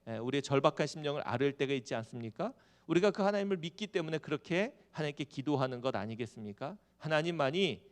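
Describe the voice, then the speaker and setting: Brief: male pastor at a dawn church service, voice a bit high, keeps asking the room questions, gets louder on scripture readings. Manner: asks the congregation rhetorical questions, louder when reading scripture. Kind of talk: early-morning sermon. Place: church sanctuary.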